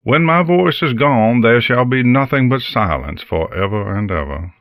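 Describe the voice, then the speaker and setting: A man voicing an ancient, lonely broadcasting entity in a horror audio story, speaking solemnly in a hushed, gravelly voice with long pauses. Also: medium pitch, lively intonation, no room sound, clean studio sound. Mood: bitter, foreboding. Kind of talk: dramatic monologue in an audio horror fiction reading.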